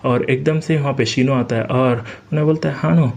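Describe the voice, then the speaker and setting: A man's voice: mid-range voice, fairly even intonation, brisk, gravelly, darkish tone. A man with an Indian Hindi accent recapping a manhwa story in casual Hindi, reading every character's lines in his own plain voice with frequent fillers.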